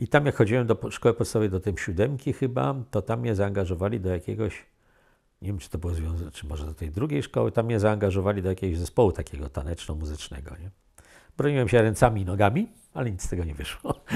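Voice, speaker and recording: Over a quiet background, a man talks very fast in a fairly low, somewhat breathy, dark and mellow voice, with lively intonation and big swings in loudness. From Gdańsk, northern Poland. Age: 70s. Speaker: local resident sharing memories; interviewee. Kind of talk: oral history interview; interview answer. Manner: halting. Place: home room. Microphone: lapel.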